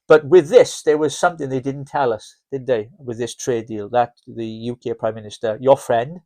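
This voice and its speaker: A man's voice: mid-range voice, steady tone, moderate pace, warm tone. A Welsh man hosting a podcast in a casual, jokey chat, rambling and restarting his sentences. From Wales. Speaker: podcast host.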